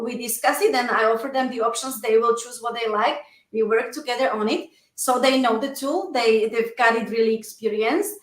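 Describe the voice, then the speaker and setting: Slovak-accented woman, high voice, earnest guest talk, echoey room, leans on fillers. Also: fairly bright tone. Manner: earnest, many "you know" fillers. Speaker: guest coach. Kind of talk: casual interview talk.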